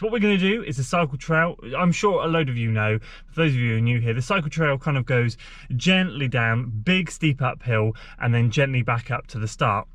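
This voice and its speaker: A man's voice: medium pitch, dry recording. A man vlogging casually outdoors on forest trails, upbeat and chatty as he talks through his running plans. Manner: upbeat, chatty, matter-of-fact. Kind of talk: casual vlog talk to camera.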